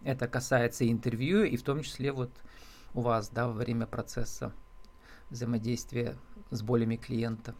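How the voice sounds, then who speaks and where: A male interviewer with a gravelly, creaky voice chimes in briefly and asks his guest follow-up questions. His pitch is ordinary for a man. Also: level tone, moderate pace, darkish tone.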